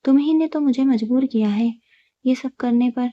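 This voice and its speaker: A woman voicing a cold, smug young husband who talks in a calm, cutting, unbothered way. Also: high-pitched, dry recording, close to an everyday voice. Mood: cool. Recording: dull lo-fi recording.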